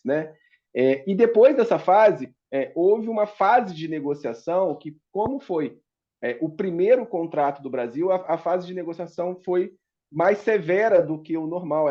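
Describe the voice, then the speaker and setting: In the dull audio of a public forum meeting room, a man with a fairly high, slightly mellow voice presents on a panel as a startup founder. His talk is hesitant, full of fillers and restarts.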